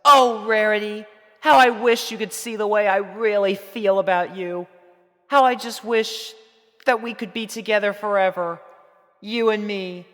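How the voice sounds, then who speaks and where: Woman voicing a dreamy, slow-talking young boy dragon. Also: mid-range voice, big-room sound, close to an everyday voice. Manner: dreamy, sighing. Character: lovestruck, yearning young male dragon. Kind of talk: fan fiction audio drama acting.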